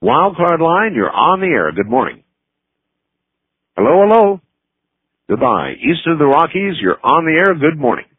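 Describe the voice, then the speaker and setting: A man hosting a late-night radio call-in show, speaking with a smooth radio host delivery as he reads letters aloud and takes calls. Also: a little high, sing-song, measured pace, long pauses, no room sound. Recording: narrow phone-like radio broadcast, dry.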